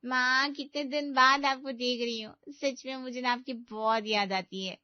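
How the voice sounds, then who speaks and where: A sweet, showy young daughter in an animated family story, played by a woman. She gushes fondly in a raised voice. Dry, dull sound. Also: high voice, moderate pace, smooth, no echo, voice pushed up, lightly acted. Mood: gushing. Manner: gushing, affectionate.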